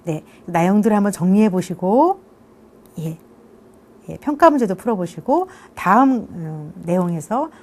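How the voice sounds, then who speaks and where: Middle-aged woman lecturer, mellow tone, very animated intonation, chatty, keeps checking for agreement. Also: medium pitch, moderate pace. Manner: conversational, keeps asking "그죠?" for agreement; rhetorical questions, answers them herself. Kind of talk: online university lecture.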